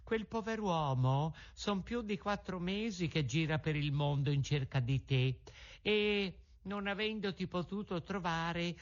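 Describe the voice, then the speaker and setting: A man voicing a large male pigeon who answers in a steady, matter-of-fact way. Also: high voice, pitched above the performer's own voice. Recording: dull lo-fi audio.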